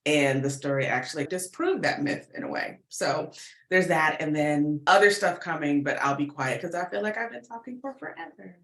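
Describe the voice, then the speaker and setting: An American woman giving talkative, informal interview answers in an animated storytelling way. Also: low-pitched, normal speed. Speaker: guest, podcast producer and relationship coach. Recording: roomy, echoey sound.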